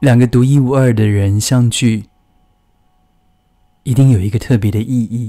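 A man's dark, mellow tone at a medium pitch, with fairly even intonation and long, frequent pauses. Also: moderate pace. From Taiwan. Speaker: author and storyteller reading his own picture book aloud. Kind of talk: picture-book reading aloud, storytelling narration. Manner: reflective, calm intro to camera.

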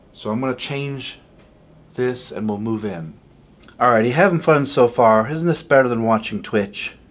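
This is an unremarkable speaking voice, moving at a moderate pace. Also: man, medium pitch for a man, ordinary pitch variation. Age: 50s. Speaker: martial arts instructor. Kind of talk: tutorial. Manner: casual.

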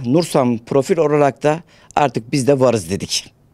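The voice has a dark, mellow tone and lively intonation, delivered at a fairly slow pace. The background is quiet. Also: man. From Adıyaman, southeastern Turkey; Turkey. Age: 40s. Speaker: curtain business owner. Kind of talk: interview. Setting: in a shop. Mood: relaxed, upbeat. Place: office. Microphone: handheld.

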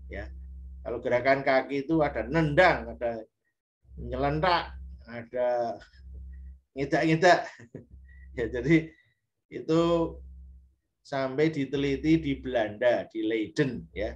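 The man's delivery is very slow. Long pauses come often between his words. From Jepara, Central Java. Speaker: university lecturer. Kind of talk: lecture. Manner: explanatory, code-switching Indonesian and English. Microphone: video call.

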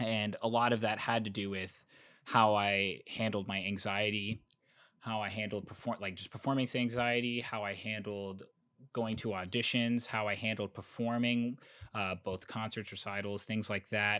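An American accent with a bright, sharp tone, monotone, flat intonation and a moderate pace against a quiet background. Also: man, fairly low pitch for a man. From Texas. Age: 20s. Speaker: orchestral trombonist. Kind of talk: casual interview chat. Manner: relaxed, filler-heavy. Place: home room. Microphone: video call.

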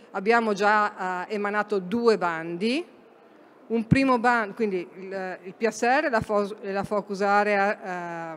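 A woman's voice over light background noise. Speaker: regional agriculture official. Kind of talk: conference presentation. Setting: stage with audience.

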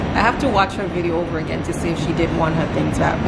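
Loud noise fills the background as the woman talks. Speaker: vlogger. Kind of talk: casual vlog chat. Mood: opinionated, defending someone. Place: train. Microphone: phone near.

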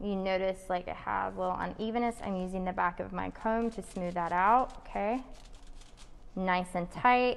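A woman's fairly slow delivery with fairly even intonation. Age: 30s. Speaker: hair colorist. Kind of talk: tutorial. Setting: hair salon. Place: shop.

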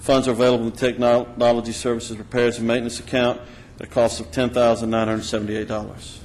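A man at a medium pitch, monotone and flat, at a very fast pace over noticeable background noise. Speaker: county staff presenting agenda items. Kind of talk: public meeting presentation. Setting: county board meeting.

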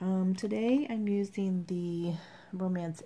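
A woman's somewhat breathy voice sits at a medium pitch, with ordinary pitch variation. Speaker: tarot reader. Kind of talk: tarot reading. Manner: casual, with frequent fillers.

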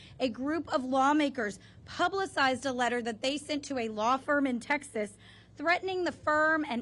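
A woman speaks at a moderate pace with ordinary pitch variation. Her voice is high and her tone bright and sharp. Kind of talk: press conference speech. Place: street. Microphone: podium.

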